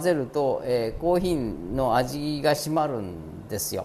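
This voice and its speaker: A man talks with lively intonation while light background noise plays underneath. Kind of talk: tutorial. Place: shop.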